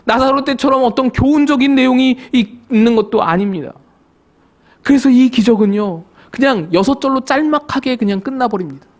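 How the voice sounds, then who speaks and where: A man's voice: extremely high pitch, moderate pace. A male pastor delivering a church sermon, stressing points with short repeated phrases and rhetorical questions. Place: church sanctuary.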